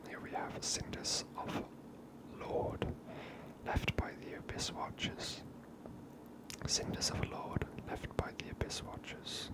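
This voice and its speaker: Whispery asmr gamer narrating a playthrough, real slow and gentle, right up on the mic. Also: rough recording. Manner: gentle, unhurried, hushed. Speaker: ASMR gamer, channel host. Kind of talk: whispered ASMR game commentary.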